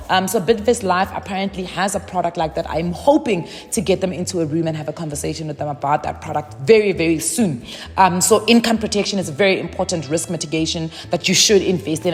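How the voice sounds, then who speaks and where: A woman's voice: mid-range voice, long reverb tail. A woman, giving casual money advice in a chatty way with lots of "um"s and repeated words. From South Africa. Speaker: personal finance YouTuber.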